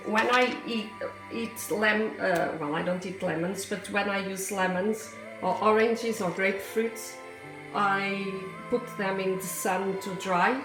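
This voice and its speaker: A woman from Portugal with a Portuguese accent, chatting casually through a home cooking demonstration, rambling into asides with frequent hesitations. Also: mid-range voice. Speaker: home cook. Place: home kitchen. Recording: echoey kitchen with music behind.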